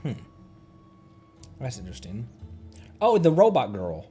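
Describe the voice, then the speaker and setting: A man chatting casually on a gaming livestream, giving halting, musing commentary as he plays. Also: medium pitch, huge pitch swings, warm tone, husky. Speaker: streamer. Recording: music underneath. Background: background music.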